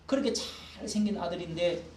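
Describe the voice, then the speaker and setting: An older man preaching a sermon as pastor, talking in a folksy, animated way and acting out the quotes he reads. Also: high-pitched, moderate pace, slight background noise. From South Korea. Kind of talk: expository sermon. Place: church hall. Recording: echoey room, mic at a distance.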